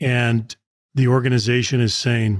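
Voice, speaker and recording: A man speaks at a moderate pace with a somewhat breathy voice, recorded very cleanly against a silent background. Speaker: podcast host. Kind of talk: podcast interview questions.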